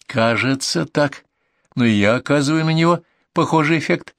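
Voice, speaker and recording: A man voicing a warm, open young woman from a farm, lifting his voice for her. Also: moderate pace, dry recording, clean studio sound. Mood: cheerful. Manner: higher, lighter voice for a young woman.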